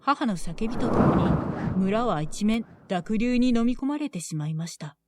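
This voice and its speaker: A woman telling a scripted bedtime story in a gentle, even storytelling manner. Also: medium pitch, moderate pace, background noise.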